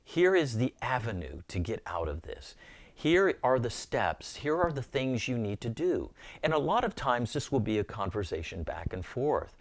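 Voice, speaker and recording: A man's voice: medium pitch, big pitch swings, moderate pace. A man giving an earnest, informal Christian teaching, often repeating words as he thinks aloud.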